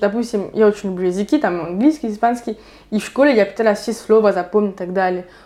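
A woman with a dark, mellow tone and a fairly high pitch. Her intonation stays fairly even. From northern France. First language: French (speaking Russian). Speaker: podcast host, language school founder. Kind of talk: casual interview chat.

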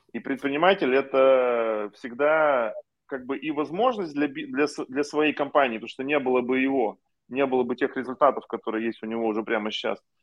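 Here a man talks at a moderate pace and a medium pitch, with ordinary pitch variation. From Russia, Yekaterinburg (Urals). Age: 40s. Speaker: entrepreneur and business tracker, former basketball player. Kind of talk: interview. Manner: hesitant, many fillers.

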